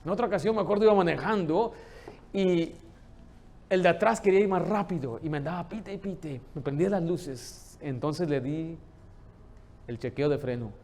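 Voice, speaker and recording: A man, preaching a lively sermon in a church and telling stories with humor. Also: on the high side, moderate pace, slight background noise. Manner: lively storytelling, joking with the congregation. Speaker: pastor.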